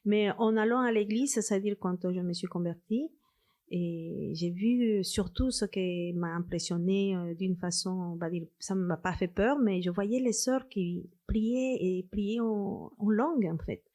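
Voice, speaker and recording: Mellow-voiced woman sharing personal testimony. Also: mid-range voice, a little slow. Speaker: podcast guest, church member.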